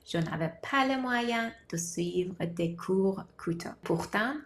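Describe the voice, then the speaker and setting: Non-native woman vlogger, steady scripted explainer, mid-range voice, deliberate phrasing. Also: mid-range voice, a little hiss or hum. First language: not French. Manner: measured, deliberate delivery in short listed phrases. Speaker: language-learning vlogger.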